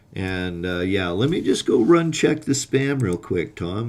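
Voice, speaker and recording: With lively intonation, a man talks in a normal speaking voice. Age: 60s. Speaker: RV YouTuber answering viewer questions. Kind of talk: live stream Q&A. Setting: live stream. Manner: casual, many fillers.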